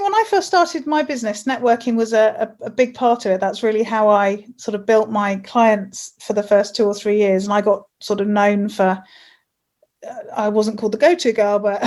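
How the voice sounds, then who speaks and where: A woman hosting an interview in a chatty manner, quick to laugh, with hesitant restarts. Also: medium pitch, darkish tone. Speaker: host. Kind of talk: casual interview.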